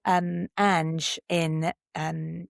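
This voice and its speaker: Middle-aged British woman, lowish pitch, reflective, articulate, conversational interview tone, very dry recording. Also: little pitch movement, very slow, vocal fry, dry recording. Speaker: podcast guest, actor and voice artist. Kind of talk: conversational interview, sharing advice.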